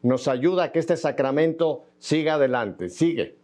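A man hosts an interview with a slightly high voice, talking emphatically. He presses his guest to repeat the points that matter. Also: lively intonation, moderate pace, mellow. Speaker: interview host.

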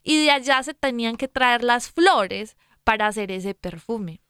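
A woman's voice: a little high, lively intonation, measured pace, fairly bright tone, smooth, no room sound, clean studio sound. A woman co-hosting a casual faith talk, retelling a Bible story in a chatty, folksy way with lots of "pues" asides. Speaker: Christian talk co-host.

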